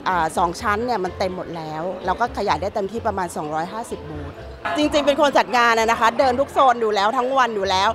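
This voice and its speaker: Amid crowd noise, a middle-aged woman event organizer answers interview questions into several handheld press mics in an indoor hall. Her mid-range voice is fast and matter-of-fact, and she keeps restarting her words.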